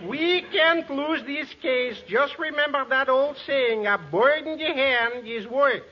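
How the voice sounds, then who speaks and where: An actor playing a boastful, bumbling comic lawyer with a pompous manner, in 1940s radio comedy style. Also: male voice, very high-pitched, slow. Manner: mangles names, pompous. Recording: noisy, dull old radio recording.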